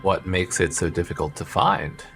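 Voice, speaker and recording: A lower-voiced man casually commenting on a video game as he reads dialogue aloud, joking and rambling with a very animated, bouncing pitch. Game music sits softly underneath. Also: moderate pace, vocal fry. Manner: rambling, joking, self-interrupting. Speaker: let's play host.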